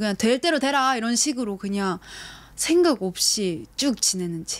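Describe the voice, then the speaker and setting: Her voice fairly high-pitched with ordinary pitch variation, a woman with an unremarkable speaking voice talks at a moderate pace. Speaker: book YouTuber. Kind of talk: casual book talk to camera.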